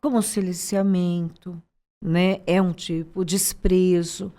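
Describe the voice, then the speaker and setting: A Brazilian woman hosting a podcast, talking thoughtfully and pausing to find words. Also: lowish voice, level tone, warm tone. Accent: Brazilian Portuguese. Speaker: podcast host. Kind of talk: conversational interview.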